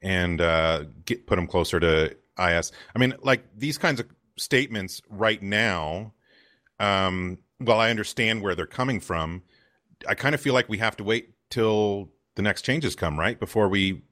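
A man with a deep voice co-hosting a casual gaming community show, rambling with lots of fillers. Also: a little slow, sharp tone. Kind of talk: casual chat.

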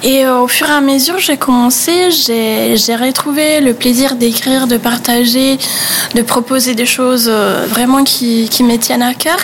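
Young woman, non-native French speaker, higher voice, relaxed interview chatter. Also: unhurried, slight background noise. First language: not French. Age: young adult. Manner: hesitant, many fillers, laughs easily. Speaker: webzine co-founder, guest. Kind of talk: casual interview answers.

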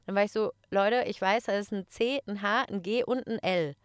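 Smooth-voiced woman teacher, dry sound. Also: medium pitch, moderate pace, dry recording. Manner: explanatory, patient. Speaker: German teacher. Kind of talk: casual chat.

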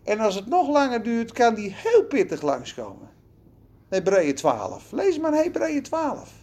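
A preacher delivering a sermon in an animated, emphatic way, with folksy turns of phrase. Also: medium pitch, measured pace.

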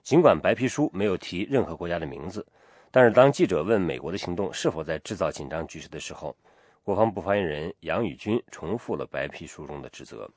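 Deep-voiced man reading breaking news. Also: expressive, a little fast, a little mellow, slightly rough, no echo, clean studio sound. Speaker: radio news anchor. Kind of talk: breaking news bulletin read in a radio newscast.

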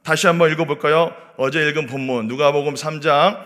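A man's voice: a little high, fairly even intonation, fairly quick, a bit bright. A man preaching an early morning sermon, emphatic, firing rhetorical questions at the congregation. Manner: acts out the devil's taunts in a mocking voice. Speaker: pastor.

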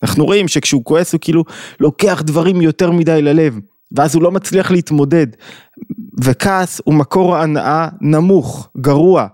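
A man's voice: fairly high pitch, a little mellow, dry recording. Man giving a thoughtful lesson, dry sound. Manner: reflective, poses questions to listeners, acts out quoted voices. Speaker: lecturer on Jewish thought. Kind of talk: spoken lesson to camera.

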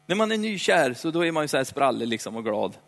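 A man preaching a sermon in a chatty, playful way, slowing down for dramatic emphasis. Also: fairly high pitch, very animated, gravelly. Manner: conversational, dramatic slowdowns, playful asides. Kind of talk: lively sermon. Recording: hall reverb.

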